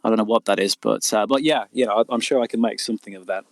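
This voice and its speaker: A man speaks as a guest author in a casual interview. His voice sits fairly low, and the sound is dry and close, without room echo. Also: racing, vocal fry. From Australia. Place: quiet spot by the water.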